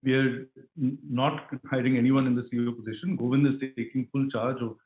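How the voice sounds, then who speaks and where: A man answering questions as a company chief executive on an earnings call, thinking aloud in halting phrases. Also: medium pitch, little pitch movement. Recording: echoey phone-like conference call line.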